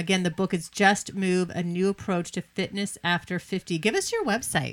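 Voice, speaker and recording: An unremarkable speaking voice from a woman with an American accent, medium in pitch, at a moderate pace, in a very clean recording with a silent background. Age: 50s. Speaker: podcast host. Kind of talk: casual interview.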